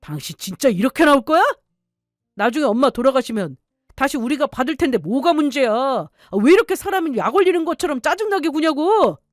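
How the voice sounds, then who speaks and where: A woman's voice: high voice, sing-song, a little fast, dry recording, studio quality, soft background music, voice pushed up. A woman voicing a scheming, threatening middle-aged husband in an audio story. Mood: defensive. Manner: bullying, threatening, defensive.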